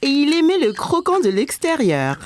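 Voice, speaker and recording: A woman narrating a children's cartoon like a scripted storybook, with expressive, clear storytelling. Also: sits high, moderate pace.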